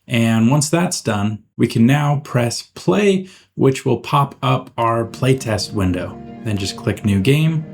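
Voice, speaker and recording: Casual man walking through a software tutorial. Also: mid-range voice, expressive, slow, gravelly, soft background music. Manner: informal step-by-step explaining. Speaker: tutorial host. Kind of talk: casual screen-recorded software tutorial narration.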